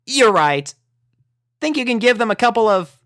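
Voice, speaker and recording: A man voicing a brash, tomboyish young female pegasus pony who calls out loudly and eagerly. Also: very high voice, lively intonation, normal speed, no room sound, studio quality, pitched above the performer's own voice. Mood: resigned.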